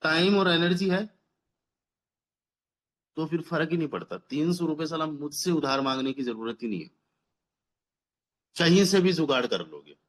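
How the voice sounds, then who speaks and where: A man in his thirties giving a motivational business pitch as a team leader, persuasive, repeating phrases for emphasis and mixing English words into his speech. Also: lively intonation, moderate pace, pauses often. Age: 30s. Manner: mixes English words into Hindi. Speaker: network marketing team leader.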